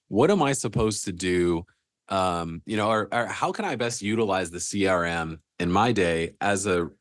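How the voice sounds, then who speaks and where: A man's voice: lowish voice, no echo. Male co-host trainer, congested and cracking, conversational, dry call audio. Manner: upbeat, conversational, frequent "you know" and "um". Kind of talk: casual online training session.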